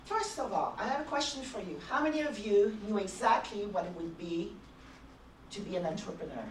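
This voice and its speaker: A woman's voice: medium pitch, expressive, a little fast, a little hiss or hum. A middle-aged woman from Canada, giving a conference talk in a chatty, anecdotal way. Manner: chatty, anecdotal, laughs often. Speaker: conference speaker. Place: conference hall. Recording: echoey hall from far off.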